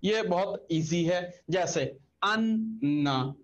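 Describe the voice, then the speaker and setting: Slow, patient male Quran teacher. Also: on the high side, highs cut off. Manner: slow, patient, repeats letter sounds for drilling. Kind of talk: online Quran reading lesson.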